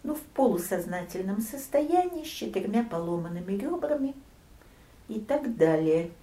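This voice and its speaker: An older woman recounting family memories in an interview, storytelling with lively swings and soft near-whispered asides. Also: mid-range voice, moderate pace, echoey room. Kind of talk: oral history reminiscence.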